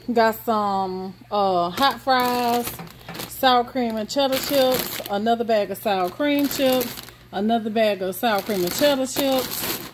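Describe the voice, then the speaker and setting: Slow-talking woman with a drawl. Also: a little high, noisy background. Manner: slow, listing items with many ums and pauses. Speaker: vlogger. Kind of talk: casual grocery haul walkthrough. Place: home kitchen indoors.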